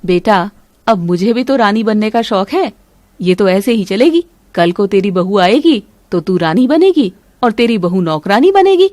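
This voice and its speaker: A woman voicing a scheming, bossy middle-aged mother-in-law in an animated story, talking in a sharp, scolding, sly way. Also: medium pitch, normal speed, no echo, close to an everyday voice. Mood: defiant.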